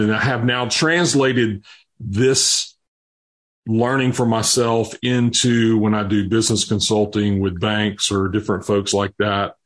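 A man in his fifties, an interview guest, telling personal stories earnestly with frequent restarts. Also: on the low side. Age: 50s. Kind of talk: interview storytelling.

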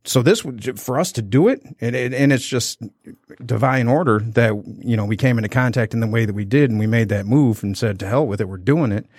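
A man's voice: mid-range voice, brisk, a little mellow, no echo. Candid man telling a story, dry sound. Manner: candid storytelling, acts out quotes. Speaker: podcast co-host. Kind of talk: casual podcast chat.

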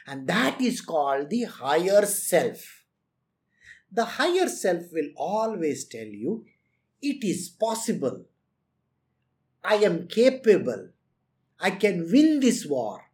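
A speaker giving a motivational spiritual talk, with a pitch that leaps and dips all over in an animated way. They keep putting rhetorical questions to the listeners and break into little chuckles at their own jokes. Quoted inner voices are acted out in a playful tone.

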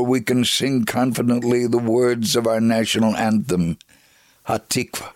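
A man performing a dramatic reading as an earnest, devout Jewish man recounting his life in a measured, solemn way. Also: medium pitch, no room sound, clean studio sound. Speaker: dramatic reader. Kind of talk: scripted dramatic reading of a memoir.

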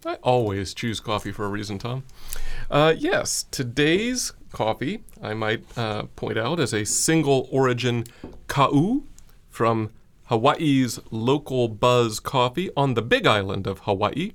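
A man's voice: medium pitch, big pitch swings, a little slow. A man with a Southern American accent co-hosting a podcast in a jokey, rambling way, laughing often. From Southern United States. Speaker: podcast co-host. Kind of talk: casual chat.

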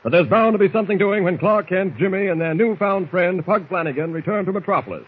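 A man narrates in the grave, theatrical style of 1940s radio drama. His high, husky voice comes through a thin, tinny old radio transcription. The narrow, phone-like band stays the same throughout. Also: lively intonation, quick pace.

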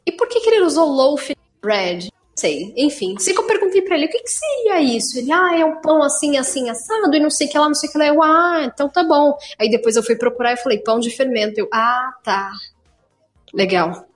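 A woman's voice: sits high, lively intonation, brisk. A Brazilian woman telling casual anecdotes as a podcast panelist. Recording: music playing behind the voice. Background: background music.

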